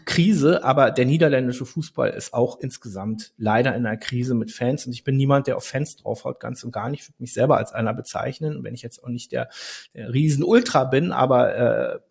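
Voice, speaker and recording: Man, football pundit guest; gravelly, husky tone; halting, self-correcting delivery. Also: medium pitch, a little mellow. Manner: explanatory, frequent hesitations and self-corrections. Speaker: podcast guest, football expert. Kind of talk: conversational expert analysis.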